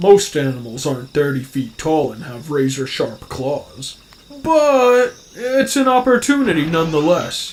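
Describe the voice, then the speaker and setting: A put-on character voice at a middle pitch lurches through very wide pitch swings. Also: moderate pace. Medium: voice reel. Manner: calm, curious.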